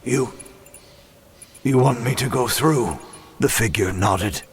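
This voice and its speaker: An actor playing a weary, tormented man who narrates his ordeal in a horror audio drama, grave and deliberate with halting pauses. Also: mid-range voice, slight background noise, natural voice. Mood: bewildered, then grim, resigned.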